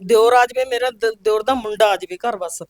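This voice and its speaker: A woman's voice: a little high, brisk, music in the background. An older woman, tearful and pleading as she answers a reporter. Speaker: interviewee, mother.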